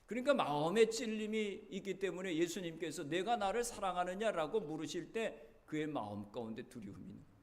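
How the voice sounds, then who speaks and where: A man's voice: on the high side, animated, a little fast, few pauses. A male pastor preaching a sermon in a church, telling the story earnestly, his voice rising and dropping. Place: church sanctuary.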